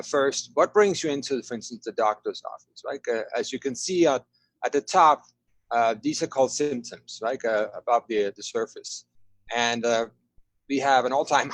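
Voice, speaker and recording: An enthusiastic man from Denmark walks through slides, asking "right?" after many points. His voice has a medium pitch and sounds close and dry, with no room around it. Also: no echo, low-quality recording. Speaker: guest presenter. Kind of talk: presenting slides in a webinar.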